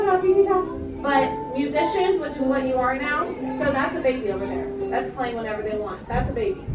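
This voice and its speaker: A woman's voice: sits high, far from the mic. A young woman teaching a music class to small children, firm and upbeat, praising and counting off steps. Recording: echoey classroom from afar with loud ukulele music.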